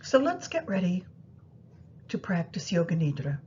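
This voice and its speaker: A woman guiding a meditation practice in a soothing, unhurried manner, pausing between phrases. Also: sing-song, a little mellow. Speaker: yoga nidra meditation guide. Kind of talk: guided meditation instruction. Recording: muffled, low rumbling background noise.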